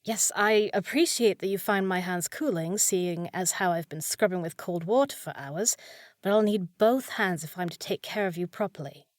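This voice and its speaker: A woman's voice: on the low side, normal speed, dry recording, studio quality, close to an everyday voice. A woman playing a short, fussy young village housekeeper in a fantasy audio roleplay, proper and easily flustered, scolding yet caring. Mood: patient, nursing. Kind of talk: scripted fantasy audio roleplay, spoken to listener.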